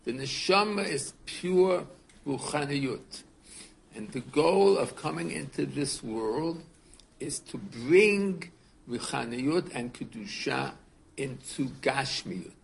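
A man in his seventies teaching a class as a rabbi, his voice carrying a gravelly edge. He talks in an earnest, unhurried way, circling back over his words and putting questions to the room. A faint hiss sits under the recording. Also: mid-range voice, animated. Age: 70s. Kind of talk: casual torah class.

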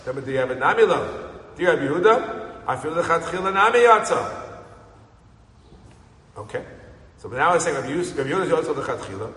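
A man with an American Yeshivish accent, teaching a Talmud class in a lively way and chanting the text he reads. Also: a little high, brisk, pauses often. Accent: American Yeshivish English with Hebrew and Aramaic terms. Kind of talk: Talmud lecture. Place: synagogue study hall. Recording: echoey hall recording.

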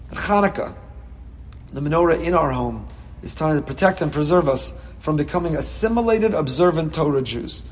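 A man giving a Torah class as a rabbi, reading Hebrew texts and explaining them with passion, swinging between soft and loud. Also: sits high, long reverb tail. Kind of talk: Torah class on the weekly portion.

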